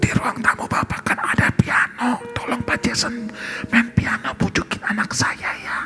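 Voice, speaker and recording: A man putting on the hushed voice of a worried young mother in whispered role-play. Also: very high-pitched, completely flat delivery, moderate pace, gravelly, faint music behind, pitched above the performer's own voice, heavily acted. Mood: hushed pleading. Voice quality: unvoiced whisper.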